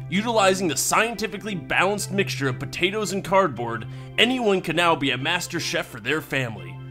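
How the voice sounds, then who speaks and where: A man playing a corny, gushing pitchman in a parody product advertisement. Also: sharp tone. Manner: gushing, salesy. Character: peppy, corny mock-commercial pitchman selling to moms.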